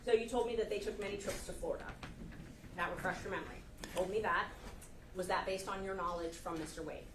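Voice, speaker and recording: A woman's voice: mid-range voice, fast, roomy sound. A woman lawyer cross-examining a witness in a courtroom, questioning in a pressing, persistent way. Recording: distant mic with clear room noise.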